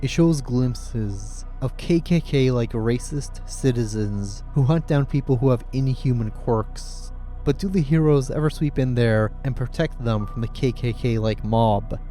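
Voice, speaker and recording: Male essay narrator, relaxed mid-range voice, casual and sardonic, faint music bed. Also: medium pitch. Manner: opinionated, sarcastic, casual swearing. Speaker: video essayist, host. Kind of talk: scripted video essay narration. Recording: music playing under the voice. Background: background music.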